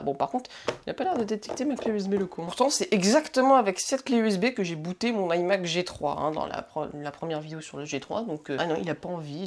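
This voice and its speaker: A young man talks through a hands-on tech session at his home desk in a loose, casual vlog style. He mutters half to himself, swears offhandedly and chuckles as things go wrong. His voice sits fairly high for a man. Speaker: tech vlogger.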